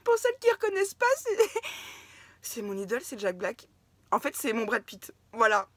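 A woman's voice: on the high side, sing-song, normal speed, no echo. A middle-aged woman chatting casually while unboxing crafts for her viewers, effusive and often laughing through tears. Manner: laughing and tearful, effusive exclamations. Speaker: scrapbooking vlogger unboxing a swap.

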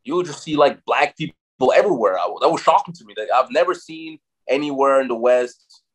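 A young man with an American accent, raised in Austria, speaking over a video call. He talks with energy and confidence, in a relaxed way that sounds like a casual chat. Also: medium pitch, a little fast, slightly rough, low-quality recording. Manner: energetic, confident, says bro a lot. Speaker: guest. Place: bright room with large windows.

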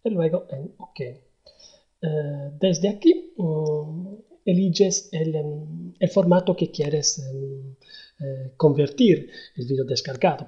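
A man giving a hesitant step-by-step software tutorial, with many pauses and fillers. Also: fairly high pitch. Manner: hesitant, many ums and ers. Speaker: tutorial host. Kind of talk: screen-recorded software tutorial. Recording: dull lo-fi voice-over.

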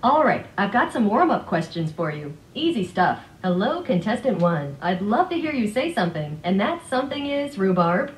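A woman's voice: mid-range voice, sing-song, moderate pace, few pauses, lightly acted. A woman voicing an upbeat virtual assistant hosting a game show in a playful, bubbly announcer style. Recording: roomy smart speaker playback, noise.

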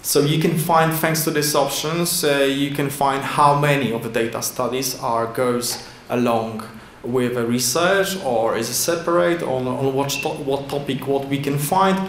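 A man giving a slide talk at a conference from a podium, in halting with frequent fillers and restarts. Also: medium pitch, a little hiss or hum. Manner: halting non-native English with many fillers and restarts. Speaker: conference presenter. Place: large indoor conference hall. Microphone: lectern microphone at a podium. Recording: echoey hall with faint ambience.

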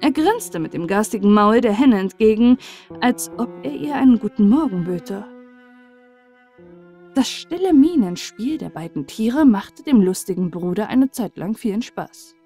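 A woman narrating a fairy tale as a bedtime audiobook, with measured, expressive storyteller delivery. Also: medium pitch, faint music behind.

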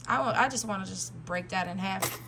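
A woman's voice: mid-range voice, brisk, noisy background. An American woman chatting casually to viewers as a jewelry review vlogger, blunt, slangy and emphatic, repeating herself for effect, with a worn-out voice. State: voice worn out, losing it.

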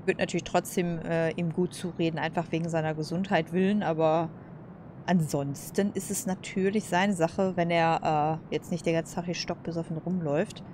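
A woman's voice: on the low side, steady tone, moderate pace, darkish tone, slight background noise. A woman commenting casually on a game, blunt and colloquial, thinking aloud as she plays. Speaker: let's play host. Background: video game ambience.

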